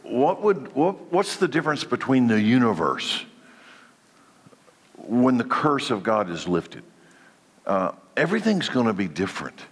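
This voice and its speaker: A man's voice: medium pitch, very animated, measured pace, pauses often, breathy edge, in a large hall. A congested man leading a church Bible study, preaching in a conversational way that often restarts his phrases. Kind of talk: church teaching session.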